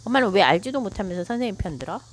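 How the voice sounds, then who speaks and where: A woman's voice: medium pitch, lively intonation, rapid-fire, slight background noise, lightly acted. A woman reading aloud as a young child who is upset and pleading with a plaintive voice.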